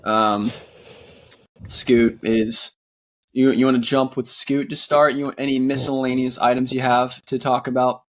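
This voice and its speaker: A man's voice: medium pitch, level tone, a little slow. A man co-hosting a casual sports podcast, talking earnestly with a sore throat and plenty of fillers. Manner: earnest, rambling with many fillers and restarts. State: sore throat, voice sounds worn. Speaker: podcast co-host.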